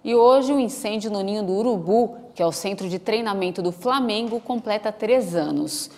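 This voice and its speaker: A woman's voice: mid-range voice, normal speed. Formal woman newsreader. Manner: steady, formal delivery. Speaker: news anchor. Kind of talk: live newscast reading. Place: outdoor studio set with trees. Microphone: lapel mic.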